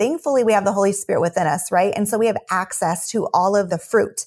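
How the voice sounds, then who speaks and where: At a fairly quick pace, a woman speaks in a somewhat breathy, medium-pitched voice with ordinary pitch variation. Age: 30s. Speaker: life coach and prison volunteer. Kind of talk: casual faith conversation.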